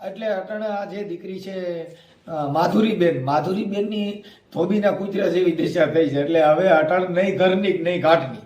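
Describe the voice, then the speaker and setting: A man's voice: high-pitched, normal speed, darkish tone. A man with a Saurashtra Gujarati accent giving colloquial, preachy commentary, warning his listeners like a community adviser. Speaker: community advice host. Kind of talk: admonishing spoken commentary. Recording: roomy, echoing sound.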